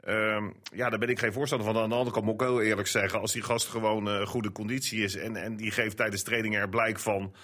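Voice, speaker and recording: A man's voice: on the low side, level tone, brisk, hardly any pauses, a bit bright. A man in a casual football chat, thoughtfully weighing both sides with frequent restarts.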